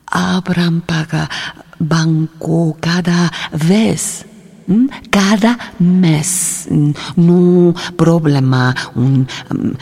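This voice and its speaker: Foreign immigrant lady in a radio play, really slow broken spanish, lowish creaky voice, hums while finding words. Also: darkish tone, full character voice. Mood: sober, halting. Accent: foreign accent in Spanish. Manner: halting broken Spanish, short phrases, frequent searching hums. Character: slow, halting immigrant woman explaining recipes and family troubles. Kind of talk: radio drama monologue.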